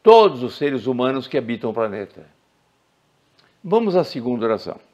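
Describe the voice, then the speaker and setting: An older man from Brazil teaching Portuguese grammar in a recorded lecture, deliberate and didactic, stressing key words. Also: mid-range voice, sing-song, darkish tone, lo-fi sound.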